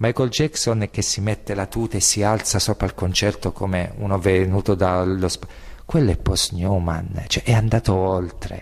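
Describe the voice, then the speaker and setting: A man talks at a fairly slow pace, the background quiet. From born in France, back in Abruzzo (Teramo) at seven; Abruzzo, Italy. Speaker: contemporary artist. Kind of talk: interview. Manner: animated. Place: meeting room. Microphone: handheld.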